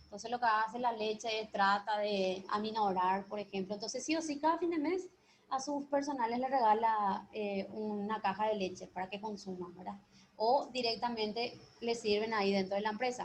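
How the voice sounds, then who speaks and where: Here is a normal speaking voice at a moderate pace. Its pitch variation is ordinary. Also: woman, fairly high pitch for a woman. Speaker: teacher. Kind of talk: lecture.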